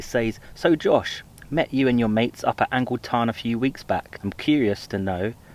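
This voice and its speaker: A man with a London accent talks at a medium pitch and moderate pace with ordinary pitch variation, in a very clean recording with a silent background. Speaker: outdoor camping vlogger. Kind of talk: casual Q&A chat. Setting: outdoors at sunset. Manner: relaxed.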